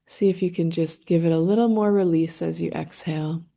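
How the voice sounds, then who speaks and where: A woman leading a guided meditation, speaking gently and soothingly in short phrases with long, unhurried pauses. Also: fairly low pitch, fairly even intonation, vocal fry.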